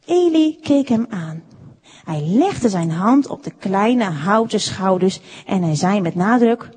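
A woman reading a children's story aloud, expressive and unhurried. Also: mid-range voice, slightly rough. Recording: echoey room with long reverb.

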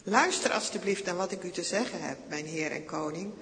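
A man voicing the young warrior David, earnest and calling out loudly. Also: high voice, a little fast, big-room sound, poor audio. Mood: pleading.

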